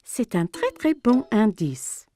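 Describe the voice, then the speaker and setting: A woman voicing a gentle, reassuring young mother in a children's cartoon, speaking encouragingly. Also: a little high, sing-song, slow pace, faint music behind.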